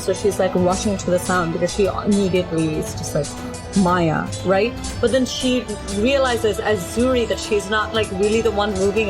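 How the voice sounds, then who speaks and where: Female tabletop player, mid-range, casual halting improvisation, clear music bed. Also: medium pitch. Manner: halting, peppered with "like". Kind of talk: casual improvised narration of a character's actions.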